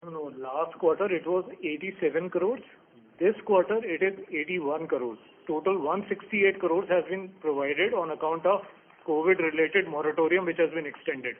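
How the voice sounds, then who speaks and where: A man's voice: a little high, moderate pace, slight background noise. A man, a company executive, answering an analyst on an earnings call and firmly correcting figures. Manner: firm, corrective with numbers. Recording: phone line audio.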